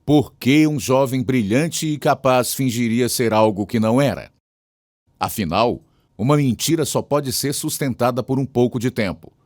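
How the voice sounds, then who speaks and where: A man with a Brazilian accent narrating a scripted radio program as its announcer, measured and solemn. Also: medium pitch, a little mellow, no room sound, clean studio sound.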